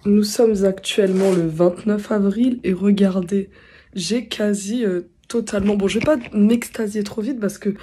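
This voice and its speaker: A young woman talking casually to camera in a vlog, her voice still slightly hoarse and recovering, chatty with many fillers. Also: mid-range voice, steady tone, moderate pace, warm tone, slight background noise. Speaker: vlogger.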